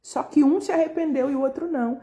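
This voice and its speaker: A Brazilian woman leads a daily Bible reading in a relaxed, chatty teaching voice. Her tone is mellow and warm, sitting a little high for a woman. She keeps asking her listeners whether they follow. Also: fast. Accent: Brazilian Portuguese. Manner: conversational, asks listeners "entende?". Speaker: Bible study leader.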